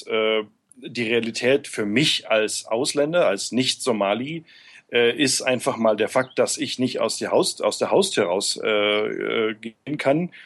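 A man's voice: medium pitch, fairly bright tone. A man working for an aid group, answering interview questions casually, hesitant, with many fillers and restarts. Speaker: aid worker being interviewed.

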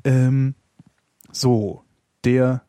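A man's voice: medium pitch, little pitch movement, very slow, dark tone, dry recording. A man casually chatting as a host answering listener questions, in a dry, informal manner. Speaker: podcast and radio host.

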